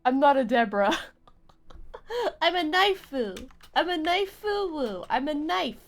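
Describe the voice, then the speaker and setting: A young woman chats casually on a game stream in a high voice. She is playful and silly, drawing out words at an unhurried pace with lively pitch, over faint music. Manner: playful, giggly, silly exaggeration. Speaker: game livestreamer. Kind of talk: casual chat with stream viewers.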